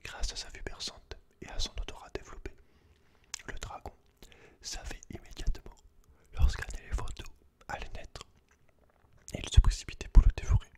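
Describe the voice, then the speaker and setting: A man's voice: normal speed, long pauses. Whispering man doing ASMR. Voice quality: breathy unvoiced whisper. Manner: informal, slangy, talks directly to one listener. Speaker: ASMR creator. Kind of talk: whispered ASMR, casual commentary and reading aloud from a book.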